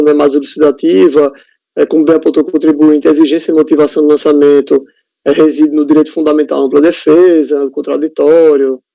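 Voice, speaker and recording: Gravelly Brazilian man reading a ruling. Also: on the high side, warm tone, no room sound. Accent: Brazilian Portuguese. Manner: reads a prepared ruling, often halting on fillers and restarts. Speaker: reporting judge on a tax appeals board. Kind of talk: formal legal reading with spoken asides. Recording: dull, lo-fi, dry audio.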